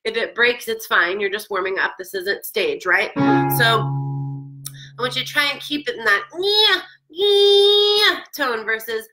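A woman voice teacher leading a vocal warmup lesson, singing meows that climb higher and coaching in a chatty, encouraging way. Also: moderate pace, over music, poor audio. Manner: demonstrates sung meows sliding ever higher.

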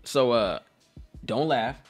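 A man's voice: mid-range voice, slow, faint music behind. A man with an American accent bantering casually as host of a reaction video.

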